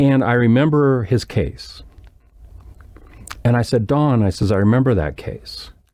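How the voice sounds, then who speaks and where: With a Western US accent and a dark, mellow tone, a man of medium pitch talks at a fairly slow pace with ordinary pitch variation and long, frequent pauses. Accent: American, Western US. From Utah. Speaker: nonprofit housing executive. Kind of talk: interview conversation.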